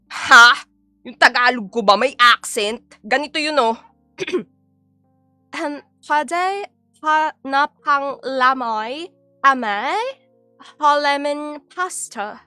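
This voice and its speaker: A woman's voice: medium pitch, bright, forceful tone, clear, resonant tone, no echo. Playful, giggly young woman streamer. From Philippines. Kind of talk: casual live-stream chat while cooking.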